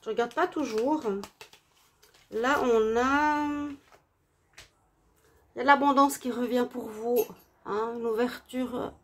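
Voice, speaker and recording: A tarot reader with a cold-blocked nose offers a laid-back reading to her audience. Her slightly high voice is soft and halting, broken up by frequent hesitations.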